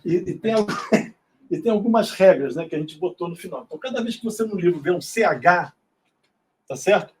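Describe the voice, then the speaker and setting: A man's voice: sits high, animated, moderate pace, a little hiss or hum. A middle-aged man from Brazil giving an informal classroom lecture in an auditorium, often checking in with tag questions. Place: synagogue auditorium.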